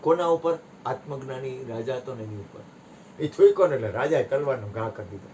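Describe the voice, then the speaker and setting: Animated man giving a spiritual talk. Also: medium pitch, brisk, slight background noise. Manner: animated storytelling, voice rising and dropping sharply. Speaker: spiritual teacher. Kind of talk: satsang discourse with storytelling.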